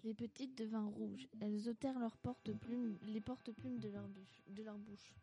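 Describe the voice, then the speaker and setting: A woman reading a children's story aloud in a careful, measured way. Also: fairly high pitch, fairly even intonation, mellow, soft background music.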